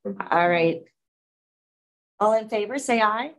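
A woman's voice: medium pitch, lively intonation, slow pace. A woman from the Philippines facilitating a public city commission meeting, explaining informally with many fillers.

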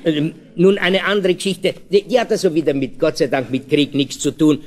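A man's voice: fairly high pitch, fairly even intonation, normal speed, heavy background noise. A man telling jokes in a live cabaret, chatty with hesitant asides. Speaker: comedian.

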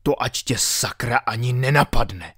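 A man doing a gruff, cursing villain. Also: low-pitched, no room sound, clean studio sound, voice pushed down, lightly acted. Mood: gruff snarling. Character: ruthless foul-mouthed male scientist on the run.

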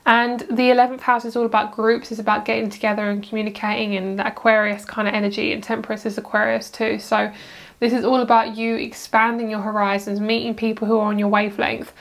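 This tarot reader, a chatty woman whose voice sits slightly high, does a laid-back pick-a-card reading from home. Her delivery is flat, fast and creaky, and she keeps interrupting herself, wandering into side comments before returning to the point.

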